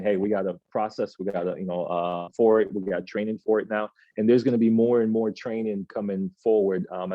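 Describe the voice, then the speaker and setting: A man in his thirties runs through announcements at an office team meeting, talking in a loose, chatty way full of ums and uhs. His voice is low and mellow. The recording is dull and dry, picked up by a camera across a small office room. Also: no echo. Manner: relaxed, many filler sounds, chatty. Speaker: agency meeting host.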